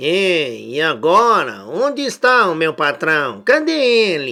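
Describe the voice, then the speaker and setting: A put-on character voice at a middle pitch, very wide pitch swings and a fairly slow pace, on a very clean recording with a silent background. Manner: slurred, dragging speech.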